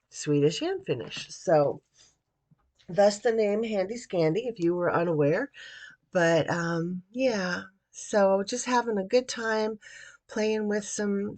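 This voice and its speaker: Chatty woman host, raspy and stuffy from a cold, casual crafting voiceover that rambles and restarts. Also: on the low side, a little mellow. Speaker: card-making channel host. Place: home craft desk.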